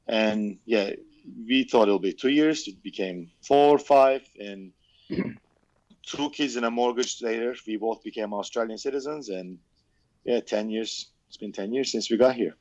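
A man's voice: lowish voice, dry recording, highs cut off. A man, casually telling his story on a podcast, candid and swearing, laughing easily. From Turkey. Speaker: knife maker, podcast co-host.

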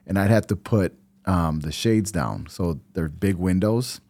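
A young man, born in Costa Rica and raised in Milwaukee, talking casually as an interview guest in his office, with a relaxed, rambling way of telling stories and many fillers. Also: low-pitched, unhurried, dry recording. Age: young adult. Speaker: financial advisor, guest. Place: high-rise office.

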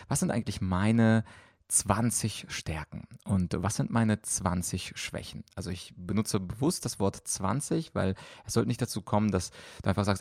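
A man's voice: fairly low pitch, vocal fry, a little mellow, no echo, studio quality. A man speaking as a coach, explaining at length with many fillers on a podcast answering listener questions.

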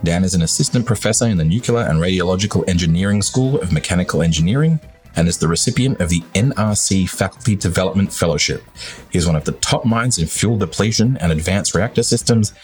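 A man's voice: low voice, lively intonation, fast, breathy edge, soft background music. A man co-hosting a podcast, reading a scripted introduction in an upbeat, announcer-like way. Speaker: podcast co-host.

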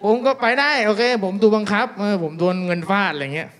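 A man's voice: high-pitched, expressive, quick pace, noisy background. A man telling a crude, self-mocking stand-up story, acting out the dialogue. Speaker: stand-up comedian. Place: small live venue with audience.

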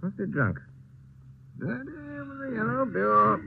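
A man's voice: extremely high pitch, very animated, very slow, vocal fry, slight background noise, full character voice. An actor playing a drunk, rambling Englishman, slurring and singsong. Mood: tipsy. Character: drunk upper-class Englishman, rambling and silly. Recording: tinny old film soundtrack.

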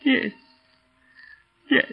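An actor playing a very old, kindly British schoolmaster who talks in a slow, faltering, wistful way, in classic radio drama style. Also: male voice. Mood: dazed. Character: very old, kindly, absent-minded retired English schoolmaster. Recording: muffled old radio broadcast, music behind.

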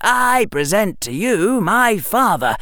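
A man's voice: sits high, big pitch swings, slow pace, bright, forceful tone, no echo, clean studio sound, voice pushed up, exaggerated voice. A man voicing a precocious eleven-year-old boy wizard who talks in grand, flowery phrases. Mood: grandly formal. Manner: pompous, flowery speech.

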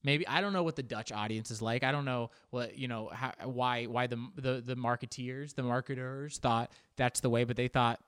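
A man's voice: medium pitch, steady tone, moderate pace, few pauses, fairly bright tone, smooth, dry recording, clean studio sound. A man riffing in a comedic monologue, sarcastic and rambling, often restarting his sentences.

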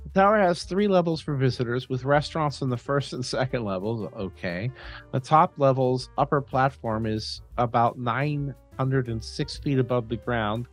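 An American man co-hosting a podcast, chatting casually and reading articles aloud with his own commentary. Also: medium pitch. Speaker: podcast co-host.

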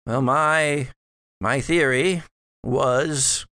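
A man playing a wry, scheming, scholarly old ancestor back from death in a tabletop horror game, speaking haltingly and formally. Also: mid-range voice, sharp tone, no room sound, heavily acted. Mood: pondering, scheming. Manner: halting, deliberate, formal phrasing. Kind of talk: improvised tabletop horror roleplay.

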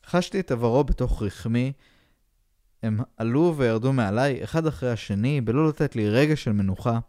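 A man reads a pulp novel aloud in a flat, deadpan way as a podcast co-host. His pitch sits mid-range. The sound is dry and close. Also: no echo. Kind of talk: dramatic reading of a pulp novel.

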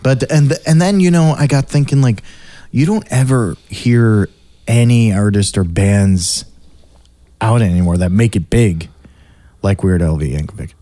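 A man's voice: on the low side, measured pace, mellow, no room sound. A man hosting a podcast, talking in a casual, rambling way with many fillers. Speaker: podcast host.

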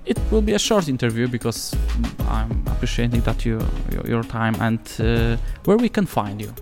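A man's voice: medium pitch, big pitch swings, moderate pace, long reverb tail, music in the background. Hesitant Polish-speaking male host. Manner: hesitant, many fillers. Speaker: podcast host. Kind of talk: interview questions.

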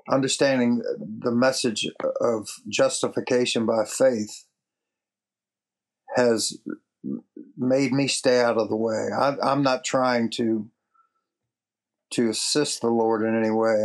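A man gives a personal testimony about his faith, his voice carrying a gravelly edge. He speaks earnestly and often stops to restart a phrase. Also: mid-range voice. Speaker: church member giving a testimony.

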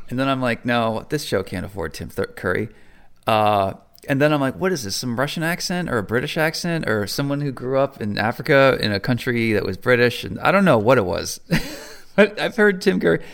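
A man co-hosting a podcast in casual chat, animated and quick to laugh. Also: medium pitch, vocal fry. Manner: animated, quotes people in put-on voices, laughs easily. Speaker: podcast co-host.

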